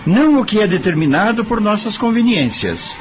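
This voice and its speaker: Solemn Brazilian father, expressive delivery. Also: high-pitched, moderate pace, soft background music. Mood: earnest, firm. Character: repentant, earnest father and husband in middle age. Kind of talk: radio drama acting.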